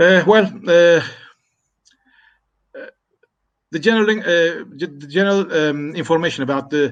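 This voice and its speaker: A man speaks at a moderate pace in a high pitch with ordinary pitch variation. His loudness swings widely, and he takes long, frequent pauses. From Cyprus. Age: 40s. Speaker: academic researcher. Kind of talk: interview. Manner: halting, many fillers.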